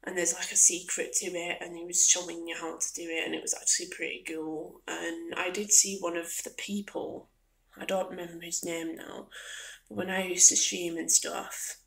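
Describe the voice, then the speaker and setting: A woman rambling softly in an ASMR style, hesitant and at times slipping toward a whisper. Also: fairly low pitch, flat delivery, moderate pace, vocal fry, poor audio. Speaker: gaming and ASMR video creator. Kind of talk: soft-spoken ASMR ramble.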